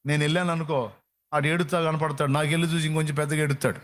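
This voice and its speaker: A man's voice: fairly high pitch, level tone, rapid-fire. A man preaching a sermon with fervor, repeating phrases for emphasis. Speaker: pastor.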